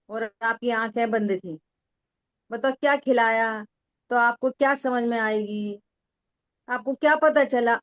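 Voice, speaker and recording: A middle-aged woman leads a question-and-answer discussion as a spiritual teacher. Her voice sits a little high, and she explains patiently with homely examples. She often repeats a phrase to drive a point home.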